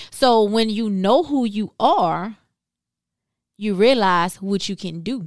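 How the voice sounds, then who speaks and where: A woman speaks at a medium pitch with ordinary pitch variation, at a very slow pace with long, frequent pauses. The recording is very clean, with a silent background. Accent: American. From Louisiana. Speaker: podcast host. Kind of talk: casual chat.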